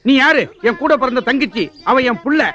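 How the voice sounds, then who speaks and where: A flustered blustering lawyer. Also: male voice, very high-pitched, moderate pace, bright, forceful tone. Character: blustering middle-aged lawyer, flustered and pompous. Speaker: senior lawyer, father. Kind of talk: film comedy scene. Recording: dull lo-fi film audio with music.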